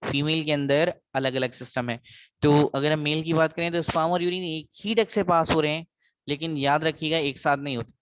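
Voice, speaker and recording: A man's voice: fairly high pitch, steady tone, a little fast, lo-fi sound, background noise. A man with a South Asian accent giving an explanatory biology lecture, mixing in English and repeating key phrases for emphasis.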